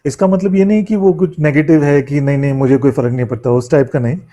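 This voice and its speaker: A man giving a spiritual discourse as a teacher, halting as he searches for words in imperfect, non-native Hindi mixed with English words. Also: on the high side, steady tone, warm tone, highs cut off. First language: not a native Hindi speaker, apologises for imperfect Hindi. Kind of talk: spiritual discourse in question-and-answer setting.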